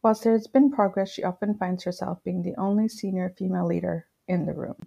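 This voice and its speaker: A woman hosting a podcast, reading a measured intro and asking friendly questions on a remote call. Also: lowish voice, steady tone, gravelly. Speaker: podcast host. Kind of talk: scripted intro and interview questions.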